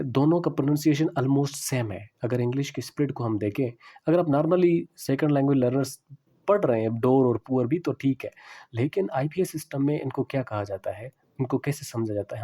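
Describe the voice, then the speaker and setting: A male English lecturer teaches pronunciation in a patient classroom style. His voice is mellow and warm, sitting at an ordinary pitch for a man. He repeats each example word slowly so that learners can follow.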